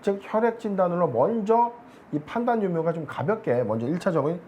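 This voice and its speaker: A man speaking as an analyst guest on a stock market show, explaining in a measured way with many filler words. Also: high voice, lively intonation, darkish tone, slight background noise.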